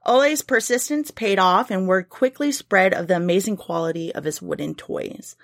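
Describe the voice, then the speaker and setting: A woman's voice: medium pitch, normal speed, creaky, no room sound. Chatty woman telling a story, dry sound. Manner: chatty, swears, laughs at her own story. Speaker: podcast host. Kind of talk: casual storytelling podcast.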